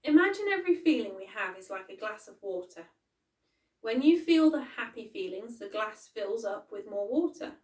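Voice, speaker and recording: A woman reading aloud who voices a calm, wise old grandmother speaking gently but firmly. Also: on the high side. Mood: teaching. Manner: gentle, unhurried, quietly firm. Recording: echoey room, far from the mic.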